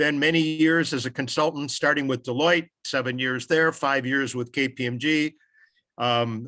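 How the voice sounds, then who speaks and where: A man with an American accent speaks at a moderate pace in a bright, sharp tone, with ordinary pitch variation over a quiet background. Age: 70s. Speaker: management accounting consultant and author. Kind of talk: webinar lecture. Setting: video webinar.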